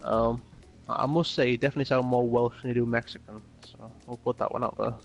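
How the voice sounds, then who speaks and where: A man's voice: mid-range voice, flat delivery, fast talker, creaky. A man in a mid-range voice interviews a driver after a race. He asks light, joking questions, with faint music in the background. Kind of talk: casual interview.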